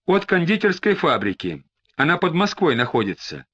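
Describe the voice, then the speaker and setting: A man's voice: fairly high pitch, very animated, moderate pace, fairly bright tone, husky, full character voice. A man voicing a frightened, tearful middle-aged suspect who pleads and snaps irritably. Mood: agitated. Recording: slightly dull lo-fi recording.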